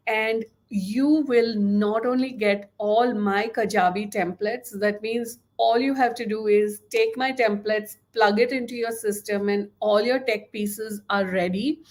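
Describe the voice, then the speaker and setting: A middle-aged woman with a strong Indian accent, pitching her online course with eager encouragement on a webcam in a small room. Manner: enthusiastic and encouraging, gesturing with both hands. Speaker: course host. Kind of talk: webinar sales pitch. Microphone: webcam at desk.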